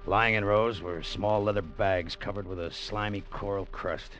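An actor playing an eager salvage partner who also narrates, in a 1950s radio drama, talking in an excitable way. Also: male voice, on the low side, normal speed, soft background music, lightly acted. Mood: narrating. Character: eager adult male treasure hunter, narrating.

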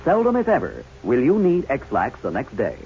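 Lively, chipper 1950s radio ad announcer, male. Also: medium pitch, normal speed, husky. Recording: muffled, hissy old radio broadcast.

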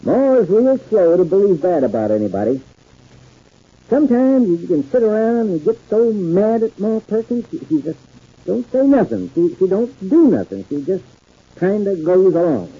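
An actor playing a folksy, good-natured older American uncle in a 1950s radio soap, with homespun, rambling country talk. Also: male voice, sits high, very animated, normal speed, slightly rough, heavily acted. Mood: overjoyed, folksy. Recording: dull 1950s radio recording.

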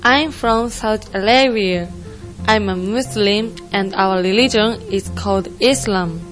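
A woman's voice: medium pitch, measured pace, a bit bright, natural voice. A young woman playing a strict, earnest Saudi Muslim panelist in a scripted student stage play, over music. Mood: earnest, firm. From Japan. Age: young adult. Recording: music behind the voice.

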